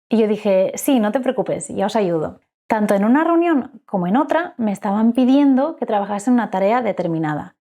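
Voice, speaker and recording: A woman teaching business English in an online lesson, slowly modelling phrases for learners. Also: on the high side, mellow.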